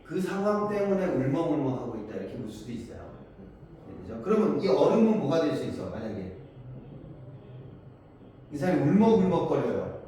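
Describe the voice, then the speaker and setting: A man's voice: a little high, darkish tone. A man teaching a class on Korean poetry, asking his students questions and answering them himself. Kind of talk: classroom lecture explaining poems. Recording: echoey room from far off, faint noise.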